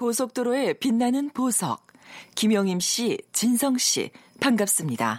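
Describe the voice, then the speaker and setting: A woman's high-pitched voice at a very slow pace with lively intonation, in a very clean recording with a silent background. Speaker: radio co-host. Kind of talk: reading aloud. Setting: radio studio.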